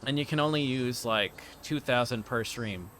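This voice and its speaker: A man is streaming a game from home, reading text aloud and chatting in a rambling, joking way. His voice sits at an ordinary pitch, with faint noise behind it. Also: moderate pace, a bit bright. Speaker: livestreamer playing a visual novel.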